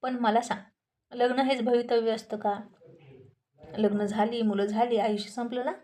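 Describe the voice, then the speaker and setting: A woman's voice: fairly high pitch, little pitch movement, moderate pace, warm tone, lightly acted. A woman voicing a teasing young man. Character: young man, handsome gym-going, teasing, stubborn.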